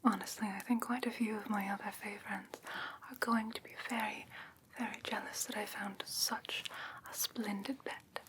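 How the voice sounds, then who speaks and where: A woman playing a doting, slightly haughty fae creature in a soft, breathy ASMR whisper, gentle and genteel with coaxing endearments. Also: medium pitch, fairly even intonation, moderate pace, noisy background, lightly acted. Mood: pleased, excited. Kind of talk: whispered ASMR fantasy roleplay.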